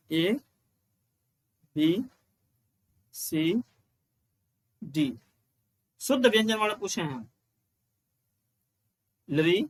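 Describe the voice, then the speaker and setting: A man's voice: high voice, a bit bright. A male teacher giving an exam-prep grammar lesson, explaining step by step, repeating key lines and asking questions he answers himself. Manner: chants rules in a slow sing-song.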